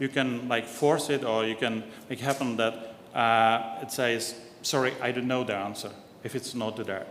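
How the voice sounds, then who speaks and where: With a Czech accent, a man talks at a fairly slow pace amid audible room echo and noticeable background noise. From Czech Republic. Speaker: conference speaker. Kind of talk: conference presentation. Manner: halting, many fillers.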